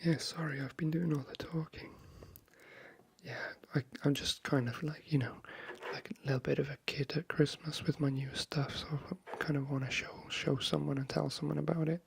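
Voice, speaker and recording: A man speaking softly and breathily, half whispering in a hesitant, friendly ASMR chat into a close microphone. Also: fairly high pitch, level tone, normal speed, gravelly, a little hiss or hum. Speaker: ASMR video creator. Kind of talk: soft-spoken ASMR, friendly chat roleplay.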